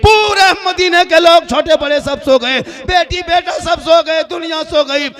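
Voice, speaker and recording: Male preacher, very high pitch, impassioned sermon, sung lines, shouted climaxes. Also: a little slow. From Jharkhand, India. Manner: emotional storytelling with sung passages and shouted climaxes.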